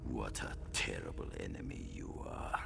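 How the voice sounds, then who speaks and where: An actor playing a proud, menacing tribal warrior in a video game, theatrical and sneering, with a deep gravelly voice. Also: male voice, pushed and bright, slight background noise, exaggerated voice. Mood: contemptuous. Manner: theatrical, slow, sneering threats. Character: fanatical male Winterborn tribal warrior, menacing, proud, contemptuous. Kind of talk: video game character acting. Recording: music behind the voice.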